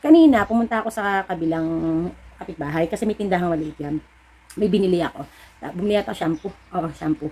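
Animated and fast-talking, this middle-aged woman has a lowish, warm voice with a breathy edge. As a sari-sari store owner and vlogger, she tells chatty stories with acted-out dialogue and offers encouraging, preachy pep talks to her viewers.

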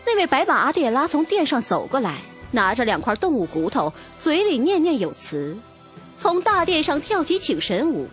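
A woman's voice: high voice, huge pitch swings, normal speed, soft background music. A woman narrating a novel in a dramatic, scripted first-person storytelling style. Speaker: audiobook narrator.

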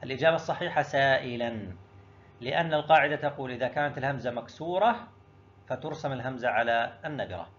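A man's voice: mid-range voice, quick pace, fairly bright tone, highs cut off. Male teacher, step-by-step exam review. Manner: explains step by step, asks and answers own questions; addresses students directly.

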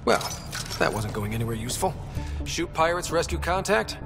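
An actor playing a level-headed expedition leader in a video game, direct and questioning with a wry edge. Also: male voice, on the high side, expressive, normal speed, music in the background. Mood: wry, resolved. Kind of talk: video game cutscene dialogue.

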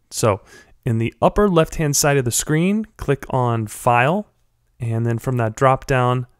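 A young man with a stuffy head cold, giving friendly step-by-step instructions in a software tutorial voice-over. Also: mid-range voice, dry recording, studio quality. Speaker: blogger teaching a software tutorial. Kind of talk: screen-recorded tutorial voice-over.

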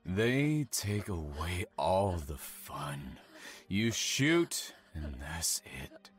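A man's voice: low voice, big pitch swings, drawn-out words, full character voice. An actor playing a sadistic male serial killer who taunts his victims and flies into rages. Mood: cold taunting. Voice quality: menacing, taunting, explosive in rage. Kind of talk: audio drama acting.

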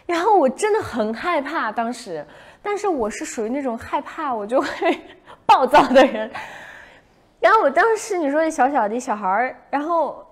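Lively young woman telling a story. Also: sits high, brisk. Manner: animated, acts out her own past shouts. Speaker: livestream host. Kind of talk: casual livestream storytelling.

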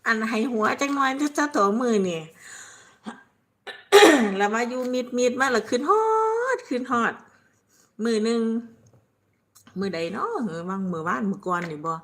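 Bright-voiced older Isan woman chatting live. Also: on the high side, expressive, normal speed, long pauses. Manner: chatty and rambling, laughs often, calls herself by name. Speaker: livestream host. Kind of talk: casual live-stream chat reading viewer comments.

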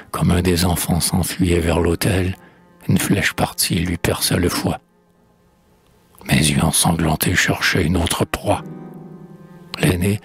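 A man reading the part of a grieving, guilt-stricken hero in a solemn, lamenting recitation. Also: sits low.

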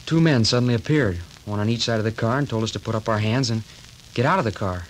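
A man's voice: fairly low pitch, quick pace, lightly acted, poor audio. An actor playing a polite, earnest young man in a 1940s radio drama. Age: young adult. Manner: respectful, earnest. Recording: old radio recording with faint hiss.

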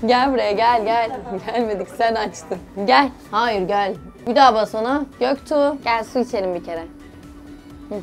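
A woman's voice: on the high side, moderate pace, faint music behind. A young woman vlogging outdoors at a playground, coaxing and playing with a toddler in a playful sing-song voice. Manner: playful, coaxing, sing-song baby talk with frequent laughter. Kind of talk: casual vlog, talking to a toddler.

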